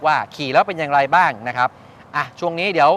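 A man's voice: fairly high pitch, fast talker, fairly bright tone. Man hosting a casual motorcycle review, outdoor noise. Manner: explanatory, repeats and confirms the guest's answers. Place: at a shop beside traffic. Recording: outdoor noise, vehicles behind.

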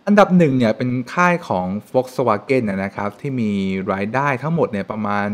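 A young man hosting a finance channel, explaining stock news to camera in an animated, chatty way from a room at home. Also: medium pitch, normal speed. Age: young adult. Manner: animated, chatty, frequent polite particles. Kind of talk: casual explainer talk to camera. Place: home room with shelves, indoors.

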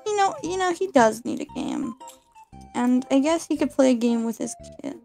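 A woman guesting on a casual game stream, talking in halting, rambling bits and giggling. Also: high voice, animated, vocal fry, mellow, soft background music.

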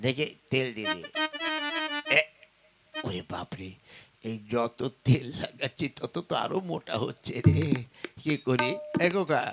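A man's voice: medium pitch, lively intonation, unhurried, long pauses. A man voicing an exasperated village father in a Bengali folk puppet comedy, scolding and questioning with exclamations. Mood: flustered. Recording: clear instrumental music with tabla behind. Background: folk music with tabla.

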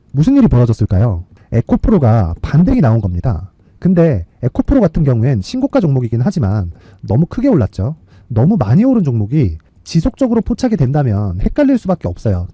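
A man delivers stock market commentary in a very dark, mellow voice with a husky edge. His pitch moves about in a lively way as he explains and persuades. He sounds assertive, often setting up a point with a rhetorical question. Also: no room sound. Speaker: stock tipster and presenter.

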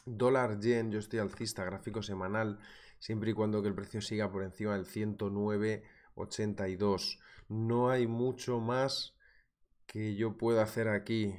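Brief: Spanish man, 30s, lowish voice, webinar host, sore throat, lively and chatty with viewers. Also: measured pace. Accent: Spanish from Spain. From Spain. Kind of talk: live market analysis webinar, reading viewer comments. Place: small indoor room at a desk.

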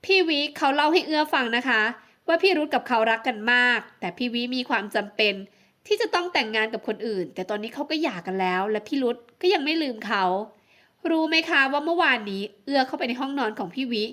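A woman's voice: high voice, animated, fast talker, a bit bright. A woman reading a romance audiobook, voicing a sly young woman who needles and teases sweetly. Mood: confiding. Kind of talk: audiobook romance novel acting.

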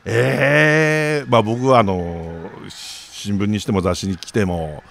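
A man's voice: on the low side, steady tone, slow pace, vocal fry, a bit bright, slight background noise. A man with a Kansai accent giving a chatty newspaper commentary, full of jokey asides.

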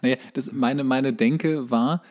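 A man with a mid-pitched voice talks as a podcast co-host. He recounts anecdotes casually, in everyday colloquial wording, as part of a back-and-forth chat. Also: steady tone, unhurried, a little mellow. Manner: colloquial, acts out dialogue in stories.

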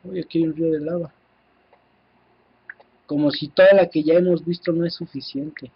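A man with a Mexican accent giving casual, excitable gameplay commentary, swearing freely and talking to his viewers. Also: fairly high pitch, normal speed, slightly rough, muffled recording. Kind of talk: casual let's-play commentary.

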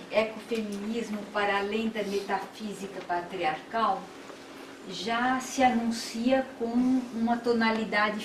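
An older woman from Brazil with a Brazilian Portuguese accent, giving an academic lecture in a seminar room in slow, measured, reflective phrasing. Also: mid-range voice, recorded from a distance. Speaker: guest lecturer. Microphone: far room camera. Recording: echoey room from afar, background noise.

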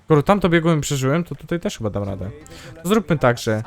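A male gamer giving casual let's-play commentary, chatty and self-mocking, muttering to himself as he plays. His voice sits fairly high, with faint game music behind him. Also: very animated, quick pace, vocal fry. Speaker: gaming channel host.

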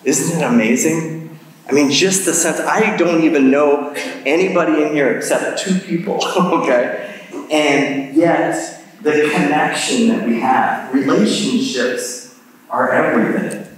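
A man's voice: fairly high pitch, measured pace, distant mic. Chatty man speaking in an echoey church. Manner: chatty and self-deprecating, laughing at his own stories. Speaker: guest speaker, neuropsychologist. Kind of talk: casual church talk. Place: church service hall.

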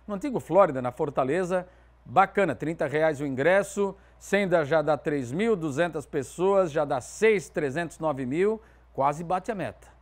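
A man in his forties with a Southern Brazilian accent, presenting sports news in a TV studio with lively, emphatic delivery. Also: fairly high pitch, moderate pace. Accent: Southern Brazilian Portuguese.

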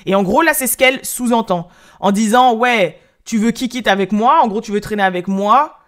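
A woman hosting a hip hop news show, giving casual, animated and slangy commentary into her phone. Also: a little high, moderate pace. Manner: animated and excitable, slangy, with frequent restarts.

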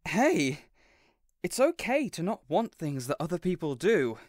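Man acting an earnest, high-voiced villain boss. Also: sing-song, unhurried, darkish tone, no room sound, clean studio sound. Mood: reassuring. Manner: earnest, reassuring. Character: kindly, encouraging male villain boss, earnest friend. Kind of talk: character audio roleplay acting.

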